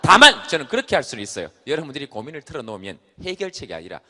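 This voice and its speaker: A man giving a comedic stage talk to a live audience, an animated storyteller who acts out the voices he quotes. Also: mid-range voice, very fast. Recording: long hall reverb.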